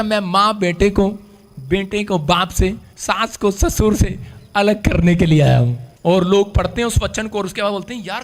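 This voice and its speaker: High-pitched shouting preacher man. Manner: swings between shouting and hushed asides, laughs often. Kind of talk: energetic sermon with call-and-response.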